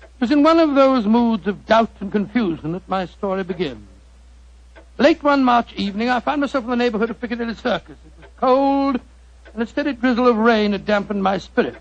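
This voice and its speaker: Heard through a muffled old radio broadcast, a high-pitched, gravelly older doctor who tells his tale. He is genial and chuckles as he narrates, in a 1940s radio drama style. The sound is dull and lo-fi. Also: expressive, brisk.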